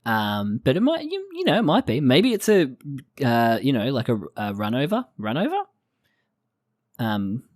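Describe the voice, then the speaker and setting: Very deep-voiced joking woman podcaster. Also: huge pitch swings, moderate pace, a little mellow, no echo, clean studio sound. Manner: jokey, punning asides. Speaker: podcast co-host. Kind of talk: casual chat recapping an anime.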